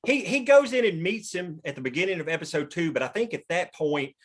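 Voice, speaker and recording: Man with animated, higher-pitched voice, chatting casually. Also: a little fast, slightly rough. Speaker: writer leading a table-read discussion. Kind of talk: casual chat.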